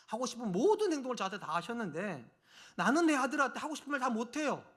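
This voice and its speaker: A middle-aged pastor preaching from the pulpit, his voice pitched high and sharp. He swings from pressing, raised appeals down to quiet, low asides aimed straight at the pews. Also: sing-song, quick pace. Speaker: senior pastor. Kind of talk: sermon. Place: church sanctuary.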